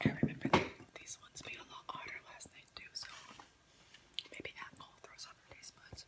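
A woman whispers at a moderate pace in a relaxed tone. Her loudness swings widely, with long pauses coming often. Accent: American. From United States. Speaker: ASMR content creator. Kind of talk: ASMR mukbang eating show, casual talk to camera. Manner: soft-spoken, whispered, relaxed. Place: home room. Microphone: phone near.

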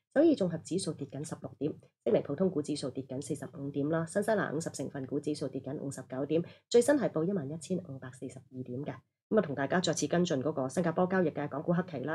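Very deep and low, a woman's voice comes through somewhat breathy with a dark, mellow tone. Her pace is very fast. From Hong Kong. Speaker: financial news show host. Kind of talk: live market news show. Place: studio.

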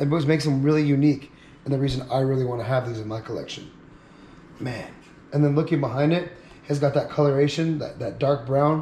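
The man talks at a very fast pace with fairly even intonation. Light background noise and audible room echo are present. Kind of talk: casual vlog chat. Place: home room.

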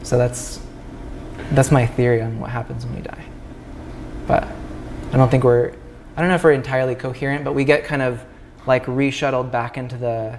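Amid light background noise, a man of medium pitch talks at a fairly quick pace with long, frequent pauses and big swings in loudness. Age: 30s. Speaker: neuroscience technology researcher; interview guest. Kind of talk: interview. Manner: hesitant with fillers. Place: studio. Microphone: lapel.

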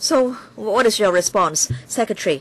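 The intonation is lively. A woman talks at a moderate pace. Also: medium pitch for a woman.

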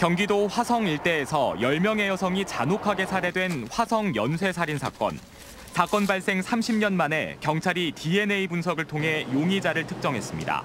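Through noticeable background noise, a man with a high voice speaks at a fairly slow pace, his loudness very even and his pitch variation ordinary. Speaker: TV news reporter. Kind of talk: news report. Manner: formal.

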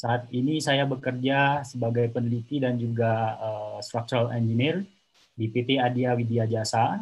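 At a fairly slow pace, a man talks with fairly even intonation. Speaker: webinar moderator. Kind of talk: moderated panel. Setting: video call. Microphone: video call.

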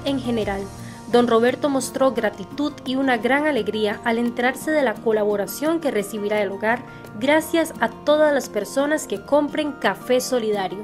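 With music going in the background, a woman keeps to a moderate pace. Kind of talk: documentary narration.

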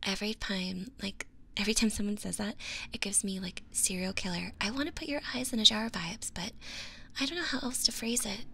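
Soft-spoken, the speaker talks at a fairly quick pace. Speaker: virtual streamer. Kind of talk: casual stream chat. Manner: soft, close ASMR chatter.

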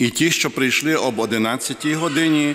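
This is a man's voice. His intonation is lively. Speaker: priest. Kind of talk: liturgical Gospel reading. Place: church. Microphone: podium.

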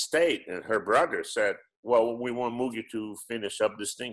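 Against a quiet background, a man speaks with a Portuguese accent. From Brazil, Rio de Janeiro. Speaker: recording engineer and producer; guest. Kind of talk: casual interview. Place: home room. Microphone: video call.

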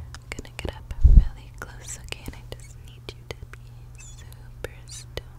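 A soft-spoken woman whispering at a moderate pace. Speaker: ASMR creator. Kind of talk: soft personal-attention roleplay talk. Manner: soft close ASMR whisper. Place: home room.

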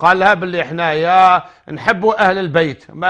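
The voice is animated, with a bright, sharp tone. It moves at a moderate pace against a quiet background. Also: man. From Algeria. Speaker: religious radio host answering listener questions. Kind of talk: radio religious advice show. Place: studio.

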